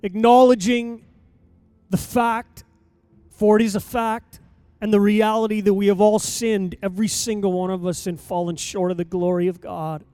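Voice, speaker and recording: A pastor preaching a sermon in a church, with emphatic delivery and dramatic pauses. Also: male voice, high voice, fairly even intonation, warm tone, smooth, dry recording. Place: church sanctuary.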